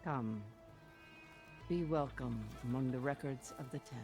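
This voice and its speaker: A solemn tribal chaplain over music. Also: male voice, medium pitch, vocal fry. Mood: reverent. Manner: measured, solemn. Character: solemn tribal chaplain, reverent keeper of old records. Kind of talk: video game acting.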